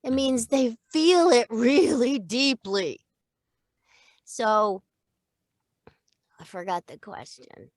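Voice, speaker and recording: Lively, chatty middle-aged woman. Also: a little high, takes it slowly, dry recording, clean studio sound. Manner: lively, chatty, laughs easily. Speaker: voice actor and acting coach. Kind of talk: casual interview chat.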